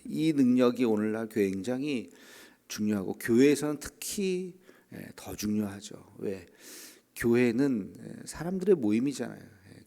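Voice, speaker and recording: A middle-aged man preaching a dawn prayer sermon as pastor, talking conversationally, filling pauses with short affirmations and acting out quoted voices. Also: medium pitch, vocal fry, dark tone. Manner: conversational preaching with frequent "예" and "에" fillers; acts out quoted voices of children and church members. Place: church sanctuary. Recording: long hall reverb.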